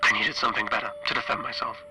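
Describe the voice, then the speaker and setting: A man playing a frightened, stranded spaceship engineer recording an audio log for a horror roleplay, halting and stammering through a radio filter. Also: on the low side, level tone, music in the background, low-quality recording. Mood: uneasy musing. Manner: halting, stammering, anxious repetitions. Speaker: solo tabletop roleplayer.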